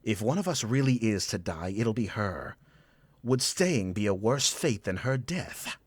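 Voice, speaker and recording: A husky low fighter guy, firm and urgent, visual novel character. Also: big pitch swings, unhurried, heavily acted. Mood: tense, urgent. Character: Bimley, firm, hard-nosed male fighter impatient to travel.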